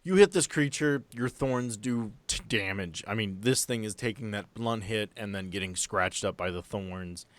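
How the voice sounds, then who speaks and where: A man with a fairly low voice works as game master, narrating a tabletop adventure in a conversational, off-the-cuff style. The sound is dry and close, with little room in it. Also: moderate pace, few pauses, dry recording. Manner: improvised, conversational storytelling.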